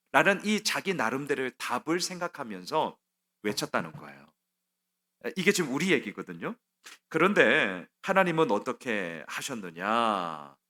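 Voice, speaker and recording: A man's voice: fairly high pitch, bright, forceful tone. A middle-aged man preaching a Wednesday sermon as pastor. He acts out the prophet's complaints and God's replies in quoted voices, and asks the congregation questions that he answers himself.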